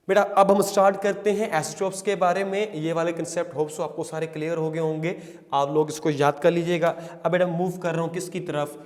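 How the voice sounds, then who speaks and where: A middle-aged man with a Pakistani Urdu accent lectures on chemistry in a fairly high voice. He coaxes his students with questions and dictates English definitions slowly, word by word. The recording has a long hall-like reverb. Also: a little mellow. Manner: coaxing, calls students beta, asks and answers questions. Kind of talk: recorded entry-test lecture.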